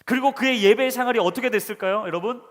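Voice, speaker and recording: A man's voice: extremely high pitch, fast talker, a bit bright. A male pastor preaching a sermon to a young adult congregation, often turning to address them directly. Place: church sanctuary. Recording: long hall reverb of a church sanctuary.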